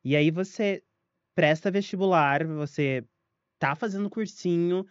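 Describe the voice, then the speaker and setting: A man's voice: fairly high pitch, measured pace, clear, resonant tone, no room sound. Admiring, informal male interviewer. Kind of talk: conversational interview questions. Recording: dull lo-fi dry audio.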